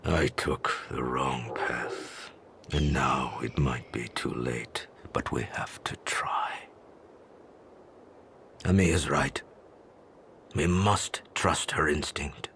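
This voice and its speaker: An actor playing a weary, regretful old tribal man in a video game, speaking gravely in a gravelly, breathy voice. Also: a bass voice, a bit bright, a little hiss or hum, full character voice. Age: older. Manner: slow, somber storytelling. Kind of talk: video game cutscene monologue.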